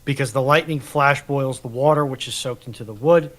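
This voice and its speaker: A man giving unscripted technical explanations in a measured, halting way, as a panellist on a live stream. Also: mid-range voice, fairly bright tone.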